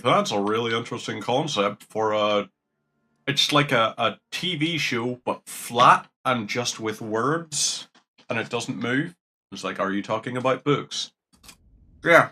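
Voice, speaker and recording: Gamer guy chatting while he plays, slightly low voice but bright, swears a lot, rambly. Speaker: gaming streamer. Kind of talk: casual commentary while playing.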